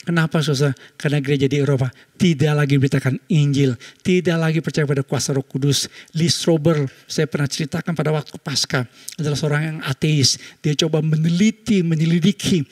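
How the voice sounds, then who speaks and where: Husky-voiced pastor telling a joking sermon. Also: male voice, fairly high pitch. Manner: storytelling, punning jokes.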